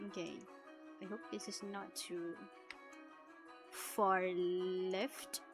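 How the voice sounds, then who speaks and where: A woman's voice: fairly low pitch, fairly even intonation, extremely slow. A woman streamer chatting casually on a livestream, muttering to herself, exclaiming and slipping in Japanese phrases. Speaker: streamer voicing a visual novel. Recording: music behind the voice. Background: music.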